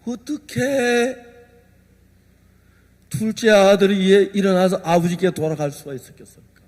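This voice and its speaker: A male pastor delivers an impassioned sermon, sliding between hushed asides and loud outbursts. His voice sits high for a man. A long reverb trails after every phrase in the large church hall. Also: normal speed. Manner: emotional storytelling, swings from hushed to loud.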